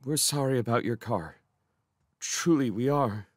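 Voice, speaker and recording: A man's voice: medium pitch, wildly swooping pitch, slow, fairly bright tone, no room sound, studio quality, voice pushed up, heavily acted. A man voicing a frightened but defiant young girl who pleads, in a dramatic audiobook reading. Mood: timid pleading.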